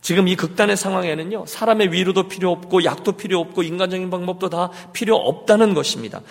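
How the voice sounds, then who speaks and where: A male pastor preaches with passion, his fairly high voice rough and gravelly. He swings from loud urging to quiet pleading, and his words ring out with a long echo in a church hall. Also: fast talker. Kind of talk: sermon. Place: church sanctuary.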